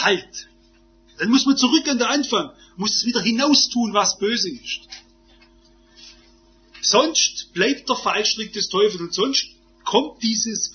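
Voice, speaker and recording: High-voiced emphatic man preaching a sermon. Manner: emphatic, rhetorical questions, swings from loud to hushed. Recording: dull lo-fi recording.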